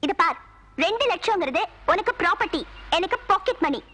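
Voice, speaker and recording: An actress playing an arrogant young rich heiress who talks down to others in a film comedy scene. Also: female voice, very high voice, animated, fairly quick, bright, forceful tone, full character voice. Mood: haughty. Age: young adult. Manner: haughty, scornful.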